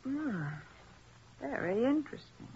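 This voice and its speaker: Inquisitive assistant to a detective, exclamatory and animated, vintage radio drama with some noise. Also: female voice, high voice, a little slow. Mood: curious, impressed. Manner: expressive, exclamatory. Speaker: actor. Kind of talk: 1940s radio acting. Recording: muffled, hissy 1940s radio recording.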